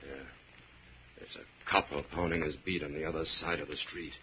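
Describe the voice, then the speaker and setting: An actor playing a tough, domineering gangster boss in an old radio crime drama, speaking gruffly in commands and slang. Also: male voice, extremely low pitch, fairly even intonation, moderate pace. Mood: businesslike, sly. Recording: noisy, muffled old radio recording.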